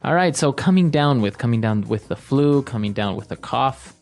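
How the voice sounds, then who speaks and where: A man's voice: mid-range voice, animated, normal speed, darkish tone, faint music behind. Co-host man summing up phrases. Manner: prompts and sums up with short affirmations. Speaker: podcast co-host. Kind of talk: casual teaching chat.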